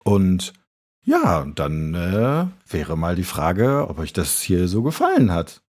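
Chatty low-voiced German podcast host. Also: male voice, wildly swooping pitch, takes it slowly, a little mellow, husky. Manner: chatty, rambling with many fillers. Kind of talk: casual podcast chat.

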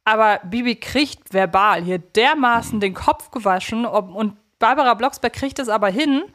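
A woman's voice: on the high side, normal speed, a bit bright. A woman co-hosting a podcast, talking casually and analytically. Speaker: podcast co-host.

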